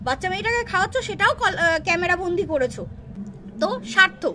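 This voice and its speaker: A woman's voice: very high voice, lively intonation, quick pace, bright, forceful tone, a little hiss or hum. A woman giving unscripted roast commentary, confrontational and scolding, repeating herself and firing rhetorical questions. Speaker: YouTube commentary creator.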